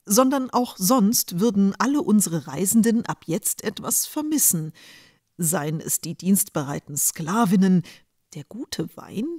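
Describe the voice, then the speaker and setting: A woman's voice: mid-range voice, warm tone, breathy edge. Woman narrating a wry fairy tale. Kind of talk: scripted storybook narration.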